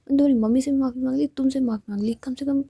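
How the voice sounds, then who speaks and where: A woman voicing a stubborn young woman in love who keeps apologizing, speaking in a soft half-whisper. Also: high-pitched, steady tone, very fast, breathy edge, no room sound, clean studio sound, pitched above the performer's own voice. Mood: pleading.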